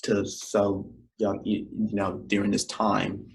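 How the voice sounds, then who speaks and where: A man with a scratchy, somewhat deep voice hosts his own podcast while feeling unwell. He talks in a loose, rambling way, with lots of "um" and "you guys" aimed at his listeners. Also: completely flat delivery, slow, gravelly. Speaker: podcast host. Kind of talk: casual solo podcast outro.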